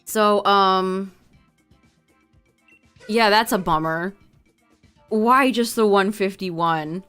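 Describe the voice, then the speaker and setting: A woman's voice: medium pitch, extremely slow, a bit bright, soft background music. A young woman streamer who is losing her voice, chatting casually with her viewers and reading notes aloud with asides. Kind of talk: casual livestream chat to viewers.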